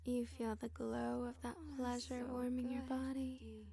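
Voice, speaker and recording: A woman narrating a hypnosis session in a slow, hushed whisper, soothing and repetitive. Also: on the high side, level tone, creaky.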